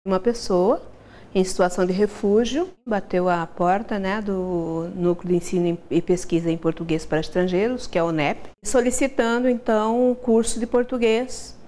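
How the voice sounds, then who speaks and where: A woman's voice: mid-range voice, steady tone, normal speed, dark tone, a little hiss or hum. A middle-aged woman teacher speaking in an interview, thoughtful and hesitant, with a lapel mic in a classroom. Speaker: language teacher.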